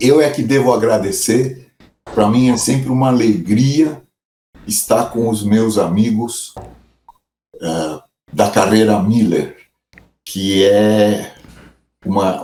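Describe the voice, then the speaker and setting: At a very slow pace, a man speaks in a fairly low pitch with a dark, mellow tone and ordinary pitch variation. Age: 70s. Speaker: economics professor. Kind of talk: interview.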